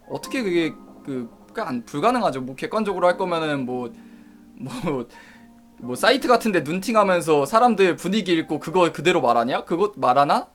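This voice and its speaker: A live streamer with a high, slightly bright voice thinks out loud about reviewing novels. He keeps stopping to correct himself, reads and replies to viewer chat, and says he doesn't use a dialect.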